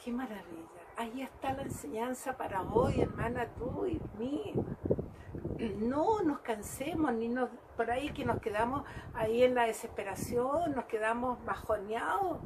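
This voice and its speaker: A woman's voice: on the high side, expressive, a little slow, heavy background noise. A woman giving a fervent devotional reflection and calling her listeners dear brothers. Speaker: lay preacher. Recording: music playing behind her.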